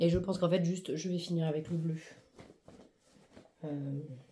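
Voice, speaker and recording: Somewhat breathy and dark, mellow in tone, a woman's fairly low voice moves at a moderate pace with fairly even intonation. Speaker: knitting vlogger. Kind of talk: casual vlog talk. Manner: casual, hesitant.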